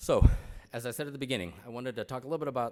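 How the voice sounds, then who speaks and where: A very clean recording with a silent background, in a Spanish accent. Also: man. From Mexico, then US (Arizona). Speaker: education official. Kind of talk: conference speech. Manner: halting, with frequent repetitions.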